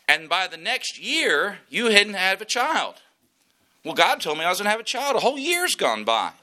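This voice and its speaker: A man preaching a sermon, telling folksy stories as he preaches. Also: high-pitched. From West Texas. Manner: folksy storytelling, animated preaching. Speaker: pastor.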